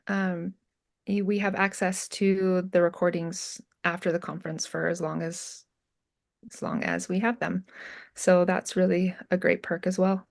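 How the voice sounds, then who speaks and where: A woman hosting an interview, friendly and upbeat as she announces a conference and asks questions. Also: mid-range voice. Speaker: interviewer, event organizer.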